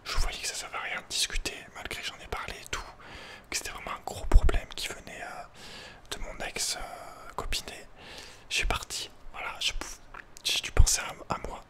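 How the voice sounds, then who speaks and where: A man's voice: a little fast, sharp tone. Whispering man, casual ASMR chat. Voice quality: breathy unvoiced whisper. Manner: hesitant, informal, slangy. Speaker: ASMR video creator.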